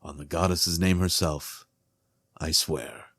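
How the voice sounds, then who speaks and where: Man playing a deep-voiced, solemn fantasy king. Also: steady tone, a bit bright, no echo, clean studio sound, exaggerated voice. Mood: reassuring. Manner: solemn, measured, formal. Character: earnest, weary king, devoted husband and loyal friend. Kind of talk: fantasy audio drama acting.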